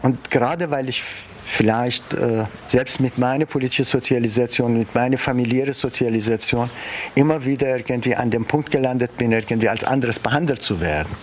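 A man's voice: medium pitch, brisk. Reflective man from Iran, faint noise behind. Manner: reflective, circling back with fillers. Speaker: education expert and trainer. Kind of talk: personal account in an interview.

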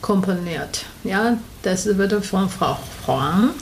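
A woman with a Chinese accent, a native Chinese speaker, talking in an interview in halting speech, pausing to find words and correcting herself. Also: medium pitch, expressive, slight background noise. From Taiwan. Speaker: interviewee, opera singer. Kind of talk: casual interview chat.

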